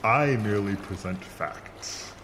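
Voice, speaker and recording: A deep-voiced, immortal sea monster, stern and vengeful. The speech is grand and formal, full of scorn for mortals, with watery noise clearly behind it in this audio drama. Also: male voice, slow pace, fairly bright tone. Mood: cold, menacing.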